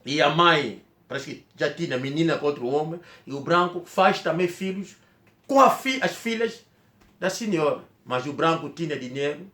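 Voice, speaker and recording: Angolan man whose first language is Kikongo, slightly high voice, halting vlog storytelling, echoey room. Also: expressive, bright, forceful tone. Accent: Angolan Portuguese. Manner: rambling, halting, with frequent restarts. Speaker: vlogger. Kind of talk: personal storytelling to camera.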